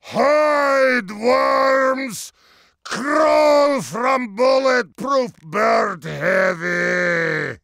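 An actor playing a boastful, menacing bird-headed heavy gunner with a Russian accent in a video game. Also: male voice, extremely high pitch, drawn-out words, vocal fry, sharp tone, no echo, shouting, clean studio sound, full character voice. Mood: roaring triumph. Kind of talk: shouted game taunts.

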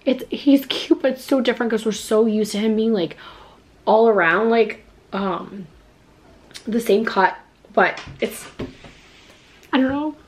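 A woman's voice: on the high side, measured pace, long pauses. A woman in her thirties chats casually to a close camera in her home kitchen. She sounds a little stuffed up, with a slight cough, and keeps dropping "like" between her words as she rambles. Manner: chatty, lots of "like" fillers. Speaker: vlogger. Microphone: camera at close range.

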